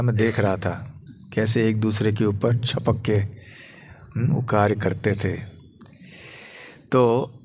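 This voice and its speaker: A monk preaching at a temple, telling a sacred story in a slow, measured voice. He speaks gently and pauses to search for words. A light hiss of noise sits behind him. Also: medium pitch. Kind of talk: sermon storytelling. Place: temple on a pilgrimage tour.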